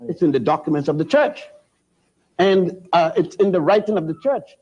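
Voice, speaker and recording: An older man from Puerto Rico lectures like a professor, spelling names out and restarting his sentences. His voice sits a little high yet sounds mellow. The old TV audio is muffled and lo-fi. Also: lively intonation, moderate pace, husky. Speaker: guest historian. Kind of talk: lecturing TV interview. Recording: dull lo-fi TV audio.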